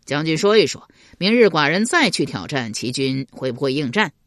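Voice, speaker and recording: Woman doing a tribal king, blustering, boastful, low voice, big swings, dry recording. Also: sing-song, normal speed, dry recording. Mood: eager.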